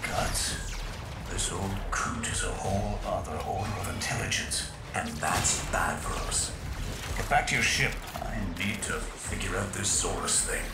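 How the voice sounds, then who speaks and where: An actor playing a gruff, practical tech expert in a video game, with a terse, animated delivery. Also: male voice, deep voice, measured pace, very noisy. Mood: wary. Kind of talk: scripted video game dialogue. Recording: echoey, music behind the voice.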